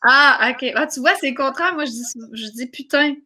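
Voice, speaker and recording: A woman's voice: high-pitched, normal speed, pushed and bright, slight background noise. A woman with a Quebec French accent, chatting casually and effusively as an interview guest. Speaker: guest, singer and YouTube creator. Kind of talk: casual chat.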